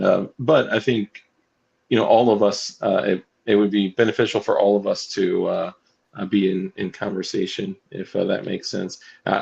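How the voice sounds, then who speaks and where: Raspy gravelly man, lo-fi sound. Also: fairly low pitch, a little mellow. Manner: rambling, halting, many fillers. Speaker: co-host. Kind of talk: casual livestream chat.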